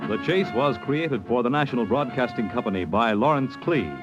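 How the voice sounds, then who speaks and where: A man's voice: mid-range voice, expressive, dull audio. A male radio announcer giving a formal, dramatic show close. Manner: measured, dramatic. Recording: old radio over music.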